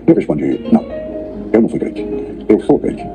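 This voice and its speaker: A man from Brazil, older, preaching a testimony as a pastor, telling his story with animated storytelling and acting out the voices of others. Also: on the low side, normal speed, gravelly, over music, poor audio.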